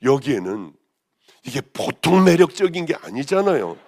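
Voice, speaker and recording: Hoarse woman pastor preaching with passion. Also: a bass voice, big pitch swings, moderate pace. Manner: impassioned, swinging between raised exclamations and hushed near-whispers. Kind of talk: sermon.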